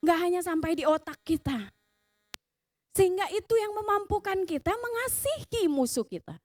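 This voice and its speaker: A woman's voice: extremely high pitch, expressive, moderate pace, dry recording. A woman preaching at a youth service, telling a personal testimony in an earnest, emotional way and pressing her points with rising emphasis. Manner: earnest and emotional, tells stories vividly.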